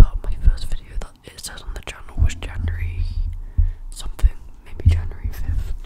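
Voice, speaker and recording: Whispering and soft-spoken, the voice moves at a moderate pace. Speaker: ASMR creator. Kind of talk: ASMR whisper and casual vlog chat. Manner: close, soft ASMR whisper. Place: home room. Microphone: studio mic.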